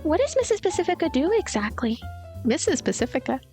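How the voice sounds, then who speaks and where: A woman's voice: high voice, sing-song, brisk, a little mellow, soft background music, voice pushed up. A woman voicing a naive, curious ghost girl in a visual novel, wide-eyed and easily awed.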